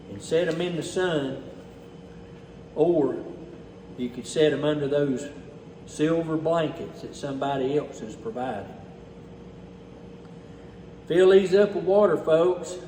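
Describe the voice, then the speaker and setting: A man's voice: on the high side, mellow. A man with a Southern US accent talking casually and off the cuff to the camera in a folksy, plainspoken way. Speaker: relief effort organizer presenting donations. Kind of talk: casual unscripted talk to camera. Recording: echoey, distant mic, faint background noise.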